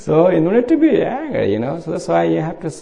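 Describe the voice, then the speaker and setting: A man talks with audible echo from the room. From Bangladesh. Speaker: Buddhist monk and meditation teacher. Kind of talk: dharma talk. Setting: meditation center retreat.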